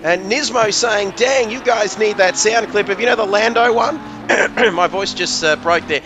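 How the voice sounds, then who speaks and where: A man's voice: high voice, normal speed, noisy background. A man commentating a sim race, joking and rambling with his co-host. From Australia. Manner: jokey, rambling banter with co-host.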